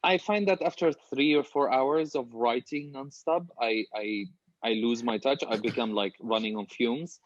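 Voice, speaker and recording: A man's voice: medium pitch, normal speed, no room sound, dull audio. A man from Syria speaking informally and candidly as a guest author in a casual interview over a video call from a small home office.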